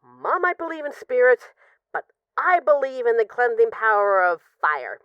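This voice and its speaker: A woman's voice: on the high side, very animated, smooth, no room sound, highs cut off. A woman playing a possessive, lovesick mafia boss in an intimate, conversational audio roleplay of voicemails. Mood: wry, exasperated. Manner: conversational, teasing, halting when emotional.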